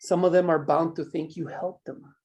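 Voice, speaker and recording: A man acting a menacing mine boss in a drama table read, speaking in measured, condescending threats. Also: on the high side, steady tone, a little mellow, dull audio, lightly acted. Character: menacing, controlling male mine boss, coolly cruel.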